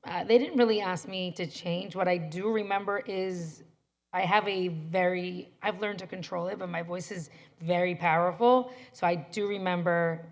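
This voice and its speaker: Raspy-voiced woman voice actor. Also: moderate pace. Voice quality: deep, raspy voice. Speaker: voice actor guest, parent. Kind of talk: casual panel chat. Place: convention panel room.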